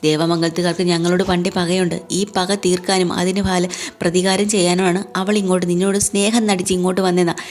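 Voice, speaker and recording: A woman's voice: on the low side, level tone, a little fast, darkish tone, natural voice. A woman voicing a stern, suspicious middle-aged father in a serial retelling. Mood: demanding. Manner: demanding.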